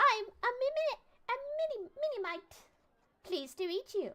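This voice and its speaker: Using a put-on character voice with an extremely high pitch and very wide pitch swings, the speaker keeps a moderate pace. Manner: playful, cheerful.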